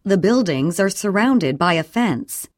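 A woman's voice: on the low side, no room sound, clean studio sound. Woman reading English drill sentences. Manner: clear, even, deliberate reading. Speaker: English audio reader.

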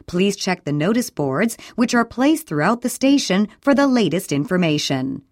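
A woman reading a scripted train station announcement in a measured, formal way with careful enunciation. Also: mid-range voice, big pitch swings, darkish tone, no echo, clean studio sound. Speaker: recorded station announcer for listening practice.

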